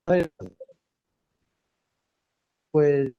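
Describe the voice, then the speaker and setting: A middle-aged Misak man from Cauca whose first language is Namuy Wam, recalling his childhood in a halting way and repeating words as he searches. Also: a little high, fairly even intonation, clear, resonant tone, dull audio. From Misak community, Cauca, Colombia. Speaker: teacher, panel guest. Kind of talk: panel talk, personal memories.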